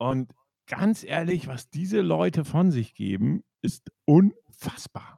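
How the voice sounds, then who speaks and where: Dark and mellow in tone yet fairly high in pitch, a somewhat breathy man speaks very slowly with very wide pitch swings, the sound dry and close with no echo. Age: 40s. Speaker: podcast co-host. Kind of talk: casual chat.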